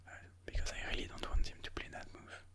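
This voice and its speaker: A person whispering ASMR game commentary in a breathy, mostly unvoiced voice, slowly and soothingly thinking aloud. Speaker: ASMR chess video host.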